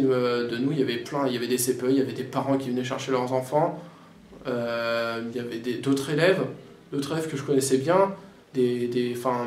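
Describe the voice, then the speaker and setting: Teen guy talking it through slowly, stops and restarts a lot, roomy sound with a bit of hiss. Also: mid-range voice, a little mellow. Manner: halting, reflective. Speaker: interviewee. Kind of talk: personal testimony. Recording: roomy with faint background noise.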